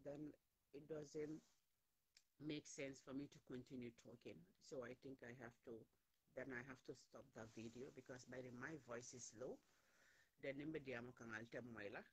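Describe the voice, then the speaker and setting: A woman's voice: rumbling low, steady tone, normal speed, husky, low-quality recording. A woman in her forties hosting a phone live stream, talking heatedly and repeating lines for emphasis. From Gambia. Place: indoors, small room, plain wall. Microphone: phone at arm's length.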